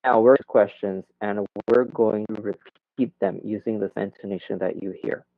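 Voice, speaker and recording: A man's voice: fairly low pitch, steady tone, a little slow, dry recording. A man teaching an English class online, explaining grammar in Spanish and modeling English questions with exaggerated rising and falling intonation. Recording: thin phone-like audio, dry.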